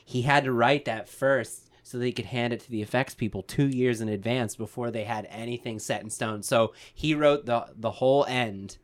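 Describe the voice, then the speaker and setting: A man's voice: medium pitch, moderate pace, few pauses. Easygoing man relaying notes on a podcast. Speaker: podcast co-host. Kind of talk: casual chat.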